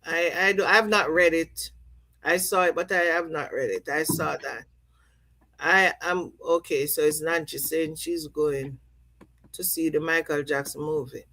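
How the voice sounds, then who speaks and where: A woman's voice: deep voice, fairly even intonation, unhurried, sharp tone, low-quality recording. A middle-aged woman from Jamaica, chatting casually on a live stream and repeating herself as she reads out viewer comments. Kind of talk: casual chat.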